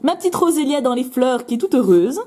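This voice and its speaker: A woman with a French accent chatting casually while opening trading card packs, bubbly and self-mocking with quick asides. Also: high-pitched, expressive, mellow. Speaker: card-opening video host.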